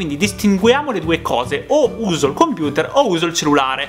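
Faint music plays in the background as a man speaks at a fairly quick pace. His pitch swings very widely. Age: 20s. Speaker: YouTuber. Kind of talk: casual talk to camera. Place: home room. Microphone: webcam.

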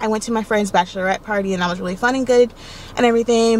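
The sound is dry with no echo and only light background noise. A woman speaks with fairly even intonation. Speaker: vlogger. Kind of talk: casual vlog chat. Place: car.

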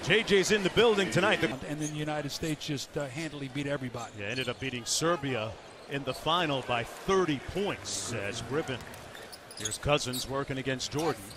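A man's fairly high voice with lively intonation at a fairly quick pace, dry with no echo, over noticeable background noise. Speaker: play-by-play commentator. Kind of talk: live sports commentary. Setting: arena broadcast. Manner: animated, upbeat, with excited calls on dunks and threes.

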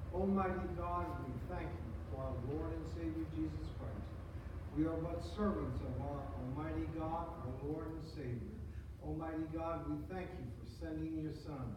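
Amid audible room echo and noticeable background noise, a man talks at a moderate pace in a very deep, low pitch with ordinary pitch variation. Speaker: pastor or church leader. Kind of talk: scripture reading and sermon, then prayer. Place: church.

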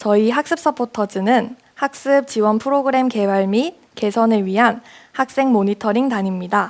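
A woman with a plain, everyday voice and a fairly high pitch speaks at a fairly slow pace with lively intonation, in a dry, close sound with no echo. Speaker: university student. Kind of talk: prepared presentation. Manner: formal.

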